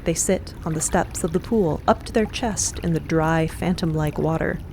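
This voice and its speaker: A woman's voice: low-pitched, normal speed, vocal fry, noisy background. A woman reading scripted story narration for an audio drama in a dramatic style.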